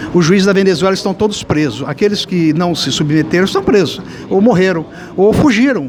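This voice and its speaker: A man speaks with a high pitch and lively intonation. Noticeable background noise sits behind him. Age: 60s. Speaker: retired judge and political candidate. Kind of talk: interview.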